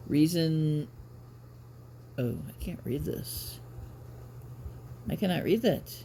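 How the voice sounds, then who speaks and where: A man's voice: on the high side, lively intonation, takes it slowly, dark tone. A man vlogging casually, chatting and reading aloud in a rambling, self-interrupting way. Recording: clear background noise, ambient sound.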